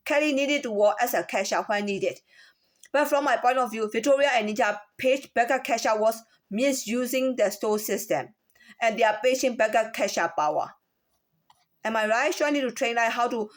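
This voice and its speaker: A woman with a Chinese accent and a fairly high voice tells her own story of a workplace complaint. She speaks haltingly, restarting her phrases and repeating words. She keeps stopping to ask rhetorical questions. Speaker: former store employee. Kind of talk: personal account of a workplace complaint.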